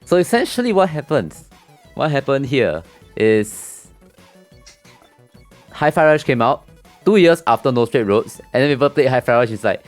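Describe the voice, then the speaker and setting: A man's voice: big pitch swings, normal speed, pauses often, soft background music. A man hosting a casual games talk show, loose and chatty with many fillers and restarts. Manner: mocks angry gamers in a high put-on voice. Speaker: podcast host. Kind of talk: casual group chat about games.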